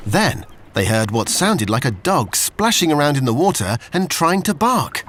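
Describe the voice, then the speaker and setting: British male storyteller, children's narration, animated intonation, expressive, faint ambient noise behind. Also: on the high side, normal speed.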